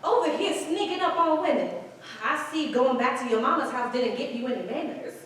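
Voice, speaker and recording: A woman's voice: high voice, brisk. A woman acting a sassy, skeptical African American performer of the 1950s in a staged play reading. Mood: sardonic. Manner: sardonic, animated. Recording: echoey hall from far off, faint noise.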